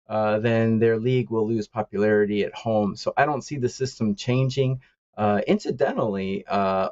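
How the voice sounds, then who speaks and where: A man talking casually about Asian baseball betting, halting with many fillers and chuckles. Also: mid-range voice, a little mellow, no room sound, dull audio. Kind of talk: casual call-in chat. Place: lives in East Asia.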